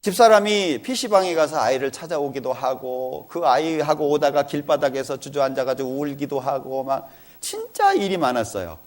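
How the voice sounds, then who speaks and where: A man's voice: on the high side, very animated, moderate pace. A middle-aged man giving a church lecture, telling an earnest personal story about his family and acting out their talk.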